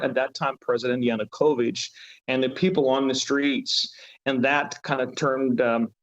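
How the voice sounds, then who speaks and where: A man with a Ukrainian accent, a pastor, answering interview questions haltingly, often restarting as he searches for words. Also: medium pitch, lo-fi sound.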